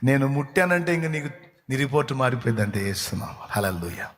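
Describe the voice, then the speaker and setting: A man preaching a sermon with passion, repeating phrases and swinging between loud declarations and hushed words. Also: mid-range voice, lively intonation, fast talker. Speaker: pastor. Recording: long reverb with faint background noise.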